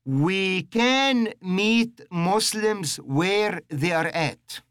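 A middle-aged man speaks on a religious teaching broadcast, earnest and emphatic like a preacher. His voice sits a little high for a man. The sound is close and dry, with no room around it. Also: expressive, drawn-out words, fairly bright tone, clean tone, no echo. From Egypt. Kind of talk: religious radio teaching program.

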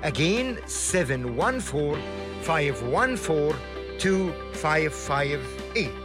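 A man's voice: on the high side, sing-song, drawn-out words, over music. A man preaching with fervor, an evangelist and author speaking in a sing-song style. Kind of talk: preaching and promoting his book.

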